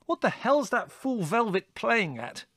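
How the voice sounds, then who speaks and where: Man acting an irritable, sarcastic young man, raised pitch. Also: fast, a little mellow, no echo, studio quality, close to an everyday voice. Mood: angry, exasperated. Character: irritable, sarcastic young Englishman, exasperated and swearing. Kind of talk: audiobook character voice.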